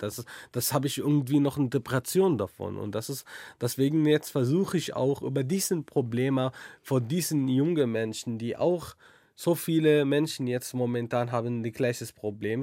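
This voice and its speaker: A young man, a comedian answering interview questions in halting with many fillers. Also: mid-range voice, a little mellow, no room sound, clean studio sound. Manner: halting non-native German, thinks aloud with many fillers.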